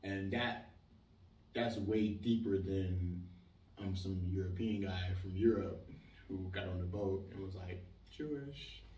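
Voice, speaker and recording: A young man from Israel, talking casually as an interview guest, animated and emphatic, with lots of "like". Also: sits low, slow pace. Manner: animated, emphatic, leans on filler "like". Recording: roomy sound, mic at a distance.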